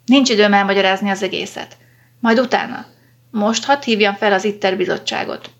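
A woman's voice: mid-range voice, lo-fi sound, natural voice. A woman reading the lines of an impatient, insistent young male medical student in a story. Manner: urgent, insistent.

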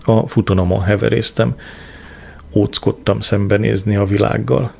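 Low raspy guy reading a diary novel aloud, dry and measured. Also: level tone, warm tone. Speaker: audiobook narrator. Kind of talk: scripted first-person narration.

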